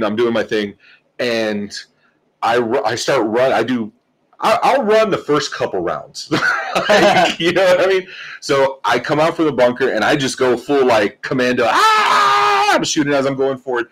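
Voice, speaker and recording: A man with a mid-range voice co-hosts a casual tech podcast, animatedly telling stories, laughing often, and swearing casually. The recording is low quality.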